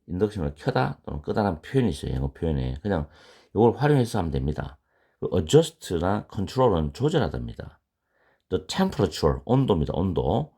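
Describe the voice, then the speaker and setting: Deep gravelly guy teaching english grammar, korean accent, says words over and over slow. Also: sing-song, dark tone. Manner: patient, repeats words slowly to drill pronunciation. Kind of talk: online grammar lesson.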